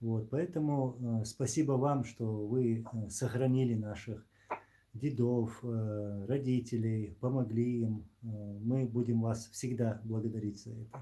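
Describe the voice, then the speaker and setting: A man speaks at a very slow pace in a dark, mellow, somewhat breathy tone with fairly even intonation. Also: medium pitch for a man. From Chechnya. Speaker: streamer hosting a call-in live stream. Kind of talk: live stream call-in chat. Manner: hesitant, many filler sounds.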